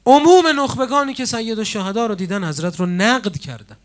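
A man preaching a sermon with passion, pausing for drama and swinging suddenly between loud and quiet. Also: high voice. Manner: impassioned, with dramatic pauses and sudden swings in loudness. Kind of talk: religious sermon.

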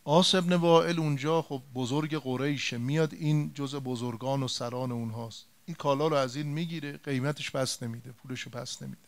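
A man's voice: mid-range voice, fairly even intonation, hardly any pauses. A man preaching a religious sermon, retelling an old story in a colloquial way and turning to his listeners with direct rhetorical questions and emphatic repetition.

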